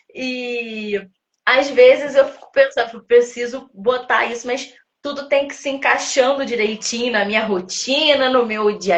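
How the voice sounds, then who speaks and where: A woman speaks at a high pitch with ordinary pitch variation. Her loudness swings widely. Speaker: radio host. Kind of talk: interview. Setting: live video stream.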